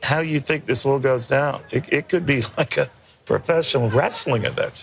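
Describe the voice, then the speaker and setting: A man hosting a TV news interview, talking briskly with joking asides. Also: medium pitch, creaky. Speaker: TV news host. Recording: dull lo-fi broadcast audio.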